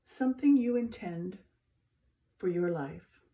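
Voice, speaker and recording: Slow, mellow woman guiding meditation. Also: lowish voice. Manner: soft, soothing, unhurried with pauses between short phrases. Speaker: yoga nidra teacher. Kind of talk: guided meditation instruction.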